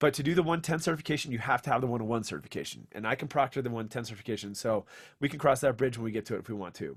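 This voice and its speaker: Using a raspy put-on character voice at medium pitch, a man talks at a very fast pace in a very clean recording with a silent background. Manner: speaking very fast.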